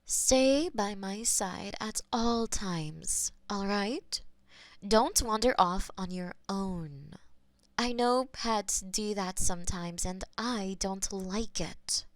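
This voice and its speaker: A woman voicing a possessive, taunting female demon mistress in a scripted audio roleplay, teasing and slipping into soft whispers. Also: medium pitch, takes it slowly, no echo, lightly acted.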